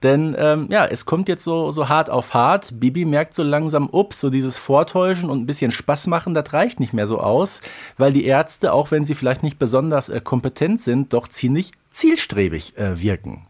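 A man's voice: a little high, animated, moderate pace. A man hosting a podcast in casual chat, with many fillers. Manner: chatty, frequent fillers. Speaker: podcast host. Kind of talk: casual chat about a radio play.

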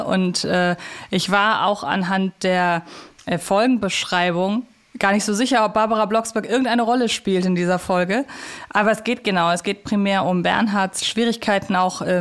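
A woman co-hosting a podcast, giving a review in casual conversation. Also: medium pitch. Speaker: podcast co-host. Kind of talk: casual review chat about audio drama episodes.

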